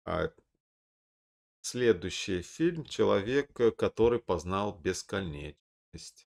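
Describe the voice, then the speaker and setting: Low, gravelly Russian-speaking man, rambling. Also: expressive, takes it slowly, darkish tone. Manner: rambling, with many fillers and self-corrections. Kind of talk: casual film recommendations to camera. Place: indoor room, seated at a desk.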